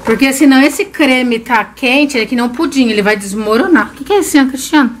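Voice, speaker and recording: A woman's voice: high-pitched, fairly quick. A woman in her thirties hosting a casual home cooking vlog in her kitchen, chatting to viewers as she films on a handheld phone. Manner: chatty, addresses viewers as "gente". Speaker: cooking channel host. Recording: faint background noise.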